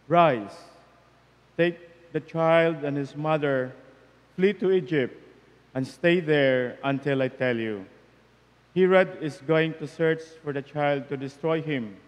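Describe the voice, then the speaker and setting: A man with a slightly raised voice reads scripture with measured solemnity. His words ring out in a long cathedral echo that trails behind each phrase, as from a lector in a large church. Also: a little high. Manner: measured, solemn reading aloud. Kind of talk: liturgical scripture reading. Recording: long echoey church reverb.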